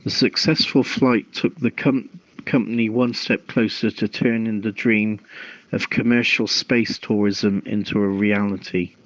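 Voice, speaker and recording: A man hosting an online radio show, reading news and chatting in a measured, halting way. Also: lowish voice, fairly even intonation, fairly bright tone, dry recording. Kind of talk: reading news aloud, then informal hosting chat. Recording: muffled, lo-fi dry audio.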